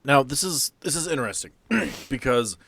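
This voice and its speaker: A man's voice: mid-range voice, lively intonation, normal speed, vocal fry, fairly bright tone, husky, no room sound. A man hosting a podcast, explaining and prompting in casual conversation. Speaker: podcast host.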